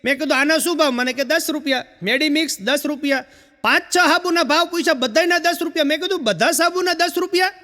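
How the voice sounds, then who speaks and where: Man, stand-up joke teller, very high bright voice, long stage reverb. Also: fast. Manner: chatty storyteller with frequent "haa" fillers. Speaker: stand-up comedian.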